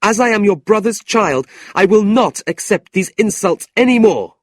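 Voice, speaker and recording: A man voicing a proud, indignant young woman who speaks high and slow. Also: animated, no echo, clean studio sound.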